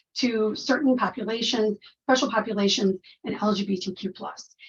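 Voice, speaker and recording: A woman's voice comes across as somewhat breathy. Her fairly high pitch rises and falls in an ordinary way. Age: 60s. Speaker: counseling professor. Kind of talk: webinar lecture.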